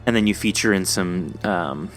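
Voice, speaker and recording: Guy hosting a podcast chat, kinda low voice, jokey and encouraging. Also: moderate pace, soft background music. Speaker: podcast host interviewing an author. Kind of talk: casual interview chat.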